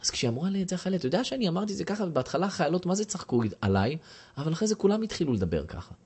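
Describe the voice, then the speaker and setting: A man's voice: sits high, very animated, darkish tone, husky. A man giving a lecture to a class and asking the audience questions. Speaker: teacher.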